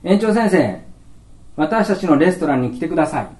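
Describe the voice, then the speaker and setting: A man voicing bossy little kindergarten children in a high, loud Kansai accent. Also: very animated, brisk, echoey room. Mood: insistent.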